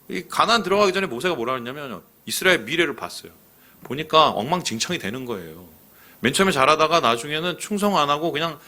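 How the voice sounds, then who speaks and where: Animated, bright-voiced male pastor preaching. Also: a little high. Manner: colloquial, animated, acts out quoted speakers; leads the congregation in reading aloud. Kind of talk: sermon. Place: church sanctuary.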